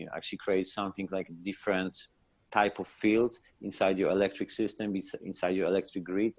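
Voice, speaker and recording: A man with a non-native accent speaks fairly quickly in a fairly low pitch, his intonation monotone and flat. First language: not English. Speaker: experimenter. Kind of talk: technical explanation in group video chat. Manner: halting.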